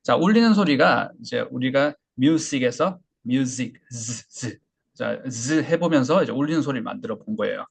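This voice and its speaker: Gravelly, husky Korean teacher, demonstrating. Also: male voice, mid-range voice, expressive, moderate pace, few pauses. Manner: demonstrates sounds, repeats example words, rhetorical questions. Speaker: English pronunciation teacher. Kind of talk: online English lesson.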